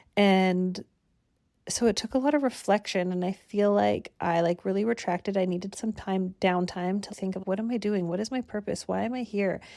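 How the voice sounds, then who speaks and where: A woman with a dark, mellow tone speaks very fast at a medium pitch with ordinary pitch variation. The recording is very clean, with a silent background. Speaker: podcast host. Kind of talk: casual personal podcast talk.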